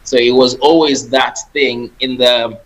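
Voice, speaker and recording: A man's voice: medium pitch, steady tone, unhurried, fairly bright tone, rough recording. A married man from Zimbabwe, a property investor and former engineer, talking as a guest on a radio show in a friendly, chatty way. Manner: friendly, laughing, talkative, repeats words. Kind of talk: radio interview.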